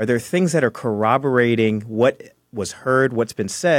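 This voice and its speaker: An unremarkable speaking voice at a moderate pace. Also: man. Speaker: attorney and part-time judge. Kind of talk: radio interview, explaining law.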